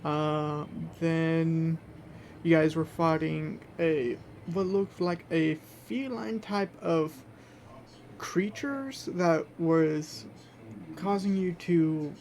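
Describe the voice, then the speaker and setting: A man acting as game master in a tabletop game, improvising narration in a halting way as he searches for words. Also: on the high side, gravelly, a little mellow. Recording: faint background noise.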